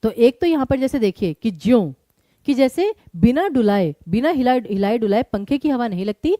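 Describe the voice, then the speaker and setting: A woman teacher leads an online exam-prep class, firing quick questions at her students and then walking through each answer. Her fairly high voice rises and falls with animation. Her tone is mellow and warm, recorded close and dry. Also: lively intonation, no echo. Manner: quizzes students and explains briskly.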